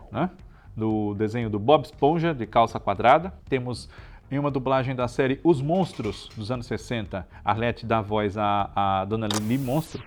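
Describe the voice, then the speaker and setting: A Brazilian man presenting in a conversational, chatty way, telling biographical stories and often adding little checking tags. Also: mid-range voice. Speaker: presenter of a show on television history.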